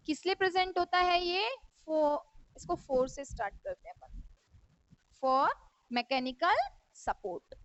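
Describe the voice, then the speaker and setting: During a science class lecture at school, a teacher with a very high, somewhat bright voice poses questions and then answers them herself. She sprinkles English terms throughout. The audio is dry and has a dull, lo-fi quality.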